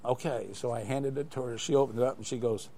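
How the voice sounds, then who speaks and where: A man's voice: medium pitch, steady tone, quick pace, mellow. An older man, a guest in a live studio interview, telling anecdotes in a rambling way with many restarts. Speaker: interview guest, glider flight examiner.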